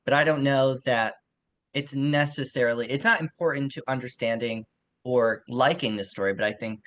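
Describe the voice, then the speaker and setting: A man with an average-pitched voice talks as a guest on a literary podcast. He is conversational and thoughtful, explaining ideas and qualifying his own opinions as he goes. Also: normal speed, a bit bright.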